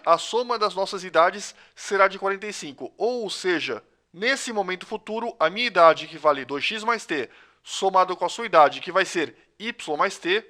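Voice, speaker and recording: A man's voice: sits high, sharp tone. A man with a Brazilian Portuguese accent teaching a recorded math lesson, explaining step by step and talking straight to his students. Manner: patient step-by-step explaining, addresses students directly.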